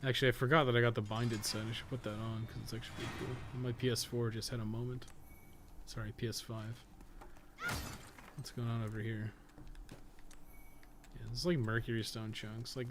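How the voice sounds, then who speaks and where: A man giving casual gameplay commentary, rambling and thinking aloud, with casual swearing. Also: mid-range voice. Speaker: podcast co-host playing a game. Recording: clear steady background noise.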